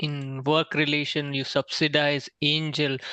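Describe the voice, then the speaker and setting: Someone speaks at a fairly slow pace with an Indian accent. The background is quiet. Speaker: group participant. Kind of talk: question in group discussion. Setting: video call.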